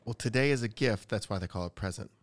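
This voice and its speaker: A deep-voiced man hosting a podcast, an eager, effusive talker in casual chat. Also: fast, slight background noise. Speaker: podcast host.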